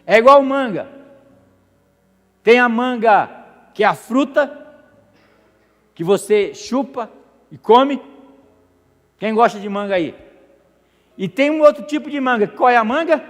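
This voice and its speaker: A man preaching a sermon as pastor, animated and jokey, asking the congregation questions. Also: very high-pitched. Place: church hall. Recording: echoey church hall with music.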